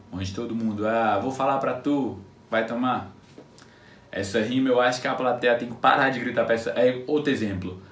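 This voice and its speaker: A man giving freestyle rap tips in casual, unscripted talk, animated and slangy, recorded off-mic in a roomy space. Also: mid-range voice, distant mic. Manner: animated, slangy, teaching with quoted rhyme examples. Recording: roomy echo, off-mic with faint noise.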